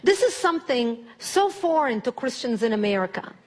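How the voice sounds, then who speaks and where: Emphatic middle-aged woman, higher voice. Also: big pitch swings, darkish tone. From Lebanon. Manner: measured, emphatic delivery with deliberate pauses. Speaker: guest speaker. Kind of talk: testimony speech to a church audience. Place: church.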